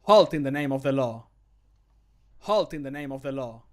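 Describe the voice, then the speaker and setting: Guy acting out a stern game guard, projected and bossy, ordering ppl around, mid pitch. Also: lively intonation, moderate pace, close to an everyday voice. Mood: stern, commanding. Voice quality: commanding, projected. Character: stern male fantasy town guard making an arrest. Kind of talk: video game voice line acting. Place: small closed room at home.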